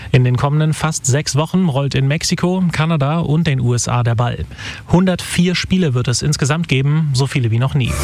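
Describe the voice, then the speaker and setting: A man reading the morning radio news bulletin in a steady, measured way. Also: medium pitch, no room sound. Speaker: newsreader.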